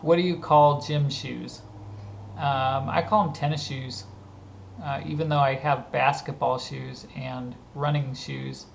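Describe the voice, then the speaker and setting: A man's voice: mid-range voice, steady tone, measured pace, gravelly. A man with a Southern California accent and a scratchy voice. He reads a list of words aloud and casually explains how he uses each one. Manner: reads each word, then explains usage conversationally.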